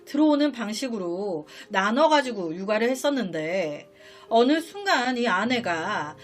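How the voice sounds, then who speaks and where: Indignant woman storyteller, lively pitch. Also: measured pace, faint music behind. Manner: indignant, talks straight to viewers. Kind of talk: dramatic true-story narration.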